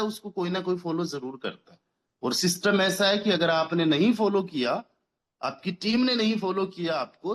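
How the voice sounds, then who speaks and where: A man in his thirties talks as a team leader pitching a business, his voice sitting a little higher than most men's. He is persuasive and keeps repeating phrases to drive a point home, sprinkling English words through his talk. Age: 30s. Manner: mixes English words into Hindi. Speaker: network marketing team leader.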